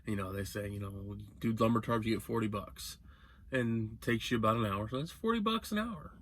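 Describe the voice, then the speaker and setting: A man's voice: on the low side, a little fast, a bit bright. A man talking casually as a truck-driving vlogger, rambling and correcting himself as he gives earnest advice. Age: young adult. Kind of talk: casual vlog monologue.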